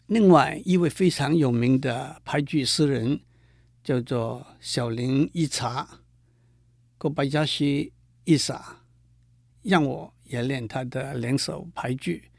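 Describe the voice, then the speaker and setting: A man giving a slow, careful lecture on poetry and reading verses aloud. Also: mid-range voice, gravelly, dry recording, clean studio sound.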